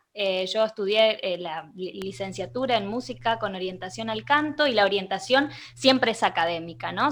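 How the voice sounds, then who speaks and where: A woman speaks with an Argentine accent and lively intonation. Her tone is bright and sharp. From Argentina. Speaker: singer and vocal coach. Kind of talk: podcast interview answer.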